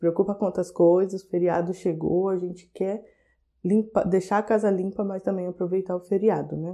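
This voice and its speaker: Over a quiet background, a woman speaks at a moderate pace with a Brazilian accent and a medium pitch. Her tone is dark and mellow, and her loudness swings a lot. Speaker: cleaning tips youtuber. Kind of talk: tutorial. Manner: animated.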